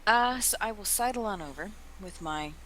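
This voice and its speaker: A woman's voice: medium pitch, animated, normal speed, fairly bright tone, slight background noise, low-quality recording. A woman playing a tabletop game over voice chat, on a headset, with her audio cutting out and clipping off the ends of her sentences. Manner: apologetic about her tech trouble. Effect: voice chat audio cutting out, choppy clipped endings. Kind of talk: casual online game chat.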